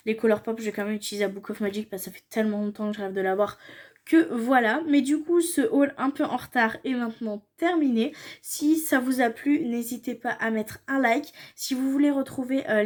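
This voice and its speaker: A young woman with a fairly high, somewhat dark voice chats casually in a makeup haul vlog. The beauty vlogger gushes and keeps repeating her praise, saying "trop, trop beau" again and again.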